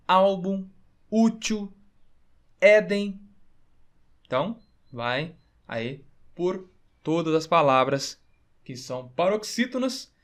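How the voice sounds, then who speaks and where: A man walks through grammar rules over slides. He sits a little higher in pitch than most men and takes his time, stressing key words and repeating word endings so each point sinks in. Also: a bit bright. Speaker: Portuguese teacher.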